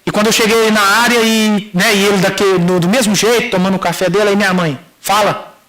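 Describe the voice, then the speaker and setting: A middle-aged Brazilian pastor with a notably high-pitched voice delivers a sermon testimony. He acts out the dialogue in the story and speaks straight to the listeners, calling them brothers. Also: fairly even intonation, quick pace, a crowd in the background, poor audio. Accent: Brazilian Portuguese.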